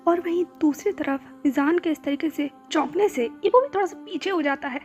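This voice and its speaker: A woman's voice: high-pitched, moderate pace, muffled recording. A woman narrating a romance story, mixing English words into her telling. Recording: soft background music.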